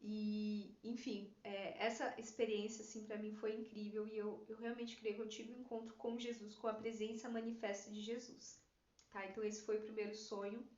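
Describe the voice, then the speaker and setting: A woman's voice: mid-range voice, level tone, normal speed, darkish tone. A woman, a writer earnestly telling her personal dream testimony, full of fillers. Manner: earnest, heartfelt, many fillers like "né". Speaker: writer sharing prophetic dreams. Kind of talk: personal testimony, casual storytelling. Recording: roomy, slightly dull lo-fi sound.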